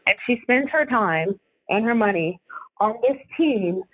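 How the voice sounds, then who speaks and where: A woman's voice: mid-range voice, lively intonation, unhurried, slightly rough, no room sound. A woman, a soccer coach and commentator, talking casually in an interview and rambling with many fillers. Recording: tinny phone line.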